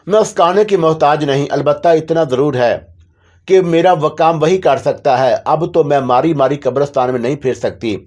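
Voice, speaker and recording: A man's voice: a little high, darkish tone, close to an everyday voice. A man voicing a stern, bossy old sorceress who scolds and commands. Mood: soothing.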